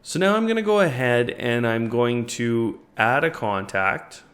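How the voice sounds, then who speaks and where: His mid-range voice is expressive and a bit bright, moving a little slowly, as he hosts a tech tutorial. The tech reviewer casually explains how to set up a product, narrating the demo one step at a time.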